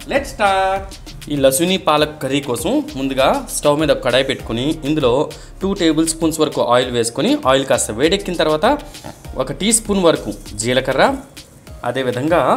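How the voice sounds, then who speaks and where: A man narrating a cooking recipe step by step, addressing viewers directly in an instructional way. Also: a little high. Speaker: host of a cooking channel.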